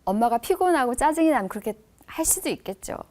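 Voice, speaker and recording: Animated woman professor lecturing. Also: sits high, quick pace. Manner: expressive storytelling, drops to soft emphasis.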